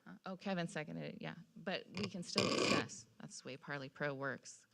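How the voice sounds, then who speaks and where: A woman's voice: deep voice, normal speed, creaky, background noise. An American woman speaking as mayor at a council meeting, plainly and carefully restating and checking each point. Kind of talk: formal public meeting discussion, plain-spoken. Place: council chamber, public meeting.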